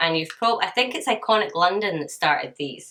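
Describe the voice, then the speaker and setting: Over noticeable background noise, a woman with a Scottish accent talks at a fairly quick pace. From Scotland. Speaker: beauty vlogger. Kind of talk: product review. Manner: fast; mumbling.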